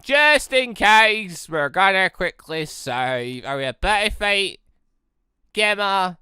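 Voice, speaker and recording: Bright-voiced, animated gaming host reading aloud. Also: mid-range voice, slow pace, clear, resonant tone, no room sound, clean studio sound. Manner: stumbles over read text and breaks off into excited reactions. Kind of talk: let's play, reading dialogue aloud with casual asides.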